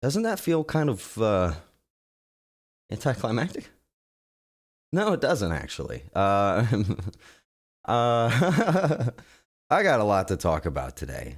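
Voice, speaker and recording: Very slowly and with long, frequent pauses, a man at medium pitch speaks with vocal fry and very wide pitch swings. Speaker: streamer. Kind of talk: casual live stream chat. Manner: animated.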